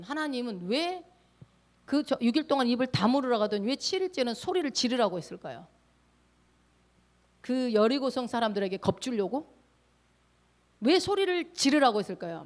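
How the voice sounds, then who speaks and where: A woman pastor preaching a sermon, emphatic, often putting questions to the congregation. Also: a little high.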